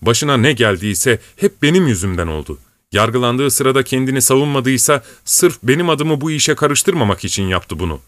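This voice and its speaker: A man's voice: medium pitch, animated, moderate pace, a bit bright, no room sound, pitched above the performer's own voice, close to an everyday voice. A man voicing an earnest young woman pleading urgently in an audiobook reading.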